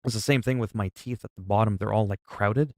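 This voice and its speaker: Rambling and profane, a forty-something streamer explains things to viewers through ordinary examples. His lowish voice is brisk and a little mellow, captured as a dry, clean studio recording.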